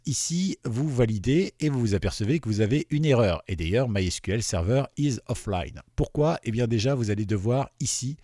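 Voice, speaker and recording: A man walking viewers through a software installation in a casual, chatty way, often checking in with "d'accord?". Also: medium pitch, dry recording, clean studio sound. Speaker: webradio software tutor. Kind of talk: screen-recorded software tutorial.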